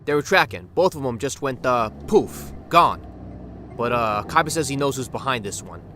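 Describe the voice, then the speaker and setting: A loyal, slangy tough guy in an audio drama, acted by a man. His voice is forceful and clipped, with faint car noise outdoors behind him. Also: mid-range voice, animated, normal speed. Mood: urgent.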